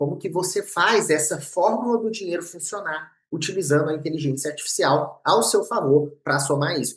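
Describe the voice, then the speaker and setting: With a Goiás accent, a man speaks in a high voice at a moderate pace with hardly any pauses. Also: ordinary pitch variation. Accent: Goiás (goiano). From Brazil, Goiás. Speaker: entrepreneur and business coach. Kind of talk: lecture. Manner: animated.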